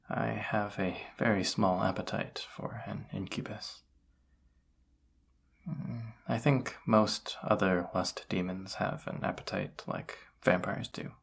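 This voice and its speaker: Casting: male actor as a weary, awkward incubus roommate for audio roleplay, very low gravelly voice, hesitant delivery. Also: exaggerated voice. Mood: thoughtful, casual. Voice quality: husky, gravelly. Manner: hesitant, halting, soft-spoken, awkward. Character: tired, flustered male incubus roommate confessing feelings. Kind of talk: roleplay audio drama, intimate one-sided dialogue.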